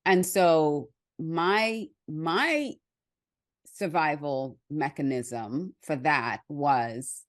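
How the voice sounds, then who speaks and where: A woman from Trinidad hosting a podcast, speaking candidly and enunciating clearly. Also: sits low, very slow, no room sound, studio quality. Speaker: podcast host. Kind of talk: conversational podcast interview.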